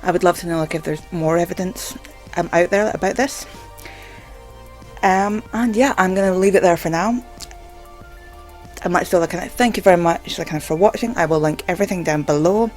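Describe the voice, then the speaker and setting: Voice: medium pitch, a little fast, pauses often, a little mellow, soft background music. A vlogger with a stammer rambling casually and hesitantly, often saying "like". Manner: hesitant, stammering, filler-heavy with frequent "like". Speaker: video blogger. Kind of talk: casual rambling talk to camera.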